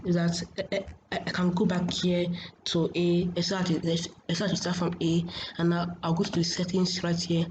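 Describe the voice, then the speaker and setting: A woman giving a casual software tutorial in a hesitant, repetitive, halting way, as a host. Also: lowish voice. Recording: muffled, noisy home screen recording.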